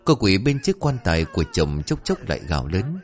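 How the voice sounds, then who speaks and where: A man narrating a story in a dramatic, expressive way. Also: deep voice, a little fast, soft background music.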